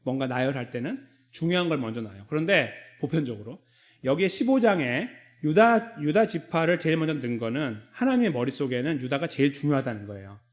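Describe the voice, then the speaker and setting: A man's voice: medium pitch, very animated, brisk. A man preaching a Sunday sermon as a pastor, in a conversational way, acting out short dialogues between God and the people. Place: church sanctuary.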